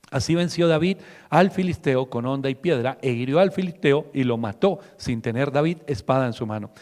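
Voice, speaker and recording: A man's voice: mid-range voice, a little mellow, big-room sound. A man preaching a fervent radio sermon, asking rhetorical questions and acting out quotes. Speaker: pastor.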